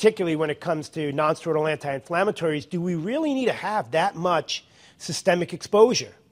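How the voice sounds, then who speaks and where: A man with an ordinary speaking voice talks at a fairly quick pace, his fairly high pitch showing ordinary variation. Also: very clean recording, silent background. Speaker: conference chair and moderator. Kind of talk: medical conference lecture and moderating.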